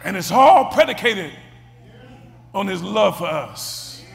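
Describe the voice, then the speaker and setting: A man preaching a sermon, who stumbles over and repeats words and builds up to shouted exclamations. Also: high voice, very animated, slow pace, gravelly, in a large hall.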